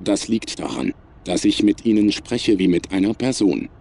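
A low, dark-toned artificial intelligence, acted by a man in a sci-fi radio play. It speaks in measured, formal sentences, coldly logical and detached, with an air of superiority. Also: lively intonation, gravelly, slightly rough, heavily acted. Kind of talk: science fiction audio drama acting.

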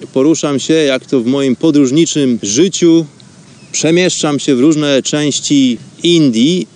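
A man hosting a spiritual radio show, speaking in an informal, reflective monologue with wordy, measured phrasing. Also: a little high, a little mellow.

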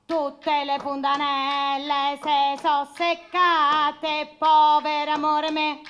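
A puppeteer voicing a cheeky, lovesick male puppet clown in a squeaky, shrill voice with a southern Italian accent, theatrical and drawn-out. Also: monotone, a bit bright, dull audio, faint music behind, heavily acted. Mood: singing, plaintive. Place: puppet booth on a theatre stage.

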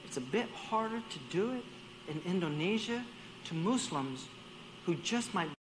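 High, lively-voiced man preaching a sermon. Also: moderate pace, background noise. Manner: animated, acts out dialogue in other voices; repeats words while gathering his thoughts. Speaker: guest preacher.

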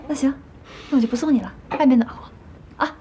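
Actress doing fed up woman, sarcastic snap, high quick voice, music in the background. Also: a little hiss or hum, close to an everyday voice. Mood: annoyed, sarcastic. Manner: sharp, sarcastic scolding. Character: exasperated woman sharing flat with drunk friend.

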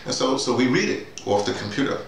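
A playwright and audio drama teacher in his sixties talks casually to camera in a small, bare-walled room, his mid-range voice lively in intonation. He speaks haltingly, repeats words and drifts into asides. The camera mic sits a few feet away, so the sound is very echoey with a faint hiss.

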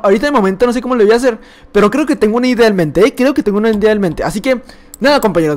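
A young man with a Mexican accent giving excitable, chatty live gameplay commentary, repeating phrases and laughing often. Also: high voice. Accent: Mexican Spanish. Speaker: gaming YouTuber.

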